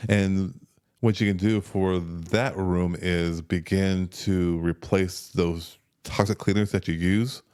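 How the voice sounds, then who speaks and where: A man in his fifties talking casually as a health coach, relaxed and repeating words as he thinks. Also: low-pitched, takes it slowly, smooth. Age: 50s. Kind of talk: casual conversational health talk.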